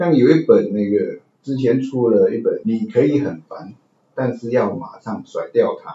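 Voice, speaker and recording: A man with a Malaysian accent talks at a fairly slow pace. His loudness swings widely. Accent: noticeable Malaysian Chinese. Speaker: publisher and editor-in-chief. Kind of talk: interview conversation.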